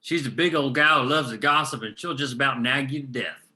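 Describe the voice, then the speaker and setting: A man playing a gruff, world-weary, foul-mouthed veteran coal miner in a screenplay table read, with a sardonic, folksy delivery. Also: mid-range voice, fairly quick, sharp tone. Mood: wry gossip.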